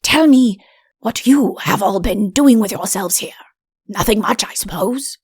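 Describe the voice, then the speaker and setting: A woman's voice: medium pitch, unhurried, darkish tone, breathy edge, no room sound, clean studio sound. A woman voicing a middle-aged fairy-tale king in an audiobook, a doting father who blusters and rambles self-importantly. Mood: genial, fussy. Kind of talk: audiobook character voice.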